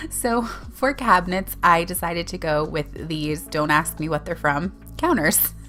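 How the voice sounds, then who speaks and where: A woman talks through a casual voiceover for a building game, recorded at home after the fact. She rambles and loops back to fix her own words. Her voice sits a little low, with soft music faintly underneath. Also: unhurried. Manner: rambling, chatty, with frequent self-corrections and small laughs. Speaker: Sims YouTuber narrating a speed build.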